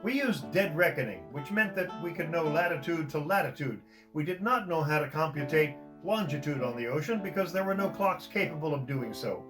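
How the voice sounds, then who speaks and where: A man's voice: a little high, lively intonation, a little fast, hardly any pauses, lightly acted. A man playing a Renaissance privateer surgeon, giving a theatrical navigation lesson in mock olde-time speech at a faire demonstration. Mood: instructive, hearty. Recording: loud plucked guitar music behind.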